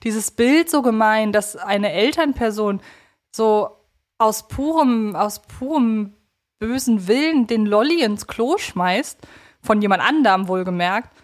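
A woman's voice: a little high, lively intonation, a little slow. A woman co-hosting a podcast, talking casually and analytically in an articulate, reflective way, thinking aloud as she goes. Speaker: podcast co-host.

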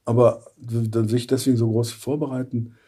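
A man in his sixties, a voice actor chatting as a guest in an interview and telling stories lively, acting out little scenes. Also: medium pitch, normal speed, breathy edge. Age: 60s. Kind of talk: casual interview chat.

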